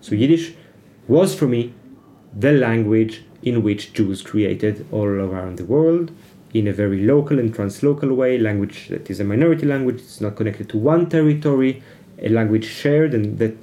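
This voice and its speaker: A man whose first language is Hebrew, speaking as an interview guest in a thoughtful, halting way, often restarting his phrases. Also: mid-range voice, lively intonation, warm tone. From Israel. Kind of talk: reflective conversational interview.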